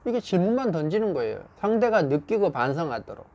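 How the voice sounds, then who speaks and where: A man's voice: fairly high pitch, sing-song, a little fast, darkish tone. A man lecturing on how to phrase things to workplace staff, explaining patiently and then acting out example lines in a raised voice. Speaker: salon staff communication instructor.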